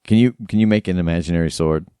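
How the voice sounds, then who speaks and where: A male tabletop player talking casually about his moves. His voice is low and very clear and resonant, recorded dry and close. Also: fast talker, mellow, dry recording. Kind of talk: casual game table chat.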